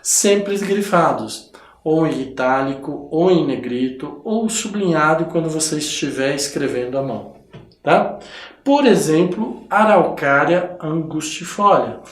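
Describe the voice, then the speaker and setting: A male biology teacher, talking slowly and deliberately as he explains. His voice sits a little high for a man and rings in an echoey room. He keeps checking in with his students after each point. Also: expressive. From southern Brazil. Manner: explains slowly, tags phrases with "tá?" and "né?". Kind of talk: recorded online lesson.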